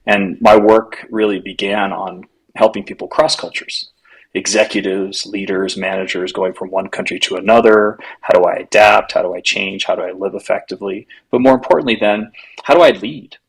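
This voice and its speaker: A man's voice: fairly low pitch, steady tone, normal speed, husky, low-quality recording. A man raised in Latin America answering interview questions reflectively, building his points through rhetorical questions. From United States, raised in Latin America. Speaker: guest, culture consultant.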